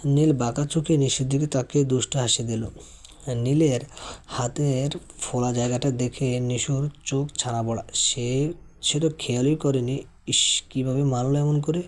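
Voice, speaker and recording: A man's voice: medium pitch, steady tone, measured pace, a little mellow. A man reading a romance story aloud, voicing the narration and the couple's dialogue in his own voice, with small stumbles and restarts.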